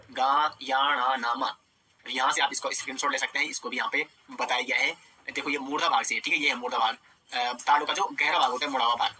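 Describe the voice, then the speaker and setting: A young male teacher gives an online Hindi grammar lesson in a very bright, slightly husky voice pitched a little high. He walks through each point with rhetorical questions and keeps checking in with his students. He speaks close to the mic, as in a screen-recorded class. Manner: explains step by step with rhetorical questions, repeats "dosto" and "theek hai". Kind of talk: online exam-prep lecture.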